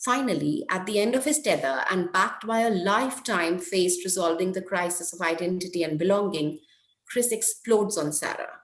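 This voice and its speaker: Woman reading a paper in an echoey room. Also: lowish voice. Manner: measured, careful reading with slow stresses. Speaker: academic presenter. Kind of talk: reading a conference paper aloud.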